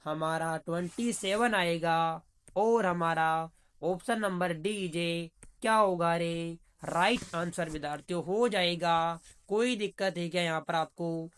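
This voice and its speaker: A man whose voice is a little high, fairly bright and clean speaks unhurriedly. He teaches exam reasoning in a video lesson, keeping it chatty, addressing students as "bhaiya" and answering the questions he asks himself.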